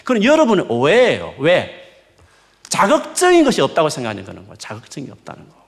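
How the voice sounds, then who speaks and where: A male pastor delivers a sermon, his voice swooping high and low as he leans into each point. There is a gravelly fry in his tone, and he coaxes his listeners with rhetorical questions in a warm, conversational manner. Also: fast talker. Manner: lively, rising and falling emphatic preaching.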